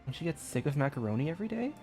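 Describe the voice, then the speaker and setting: A woman's voice: deep voice, very animated, very fast, mellow, soft background music. A woman giving casual livestream commentary on a game, musing and reacting aloud. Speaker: game streamer.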